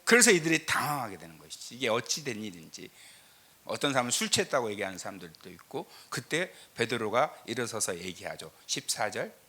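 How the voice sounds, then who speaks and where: A middle-aged Korean pastor from the south with a slight southern regional lilt, preaching a teaching sermon with scripture readings and rhetorical questions. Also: male voice, mid-range voice, big pitch swings, a little fast, sharp tone. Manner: emphatic, rhetorical questions, frequent "eo" fillers. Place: church sanctuary.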